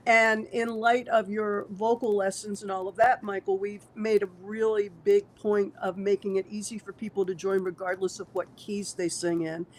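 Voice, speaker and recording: A woman music teacher with a froggy, hoarse voice from a cold, chatting easygoingly on a video call. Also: medium pitch, flat delivery, normal speed, hardly any pauses, a little hiss or hum. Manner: easygoing, thinks aloud with fillers. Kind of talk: casual roundtable chat.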